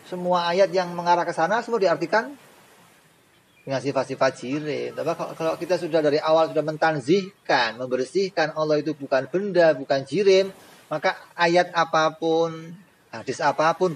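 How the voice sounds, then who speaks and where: A man teaching Islamic theology, animated, with rhetorical questions and joking asides. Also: fairly high pitch, normal speed, a little hiss or hum, low-quality recording. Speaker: religious teacher.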